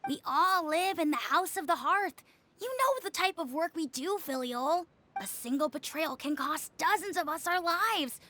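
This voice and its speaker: A woman voicing a calm young girl in a game cutscene, who speaks in a level, measured and accusing way. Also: extremely high pitch, a little hiss or hum, heavily acted. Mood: cold accusing. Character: calm cold-eyed young girl of an orphan house.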